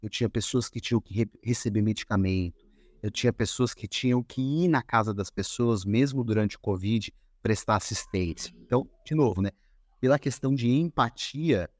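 A man as a podcast guest, telling stories in a relaxed, conversational way with frequent restarts and fillers. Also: on the low side, normal speed, no echo. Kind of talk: casual conversation.

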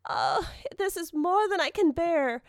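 A woman's voice: huge pitch swings, measured pace, no room sound, studio quality, heavily acted. A woman voicing a helpless, terrified young girl who wails and cries in a dramatic storybook reading. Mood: agonized wailing. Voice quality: high, wailing cry.

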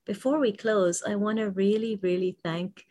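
A woman's voice: medium pitch, fairly even intonation, normal speed, dark tone. A woman co-hosting a casual panel chat, talking in a reflective, emphatic way. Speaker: co-host.

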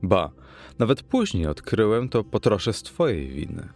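Male reader as rueful gentleman, low, plain. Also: big pitch swings, measured pace. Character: rueful younger gentleman, self-mocking.

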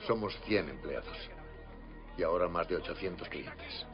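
A man's voice: low voice, moderate pace, lightly acted. A man voicing a besieged hotel manager. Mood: grave. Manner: pleading, courteous under pressure. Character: hotel manager, a husband and father under threat. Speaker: dub actor. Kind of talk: film dub acting. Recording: dull film soundtrack with loud music.

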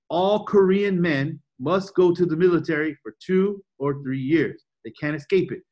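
Man, high-pitched, preaching a sermon, emphatic, questions to the congregation. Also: highs cut off. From United States. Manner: emphatic, repeats points, asks the audience questions. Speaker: pastor.

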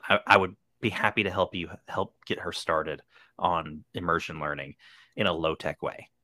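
A man hosting a podcast, asking his guest relaxed, probing questions. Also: sits low, normal speed, dry recording. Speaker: podcast host. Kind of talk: casual interview.

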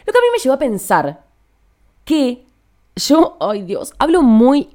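A young woman with an Argentine Spanish accent hosting a casual podcast monologue in a hurried, over-energized, chatty way. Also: on the high side, huge pitch swings, a little mellow. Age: young adult. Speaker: podcast host.

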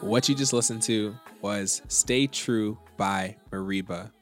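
A man's voice: on the low side, unhurried, over loud music. A man co-hosting a podcast, playful, with slangy banter in casual chat. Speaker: podcast co-host.

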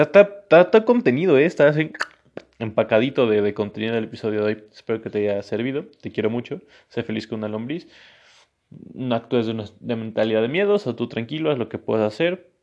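A man's voice: on the low side, fast talker, creaky, a little mellow. A man hosting a casual solo podcast, talking in an easygoing, rambling, encouraging way. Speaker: podcast host. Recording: dull lo-fi sound.

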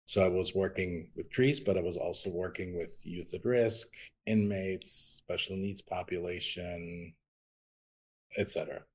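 A man's voice: low voice, fairly even intonation, measured pace. A middle-aged man from Austria, telling his story as a podcast guest in an earnest, rambling way with many ums. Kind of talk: interview conversation.

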